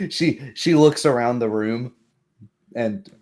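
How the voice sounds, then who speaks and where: A man working as game master, narrating a tabletop roleplaying game in a halting, improvised way. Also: medium pitch, darkish tone.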